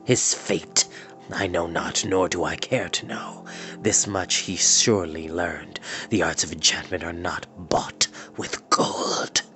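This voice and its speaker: A cold, arrogant evil wizard from a storybook. The voice sits low and breaks into menacing whispers and hisses. It moves slowly and scornfully over faint music. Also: male voice, fairly even intonation, bright, forceful tone, exaggerated voice. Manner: slow, menacing, contemptuous. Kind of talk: storybook character voice.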